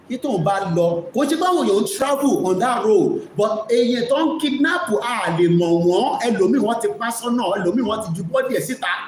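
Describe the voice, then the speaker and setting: An extremely high-pitched, darkish male voice with a Nigerian Yoruba accent hosts live commentary for an online media broadcast, switching between two languages. He is emphatic and keeps repeating key phrases, and the echoey room carries faint noise.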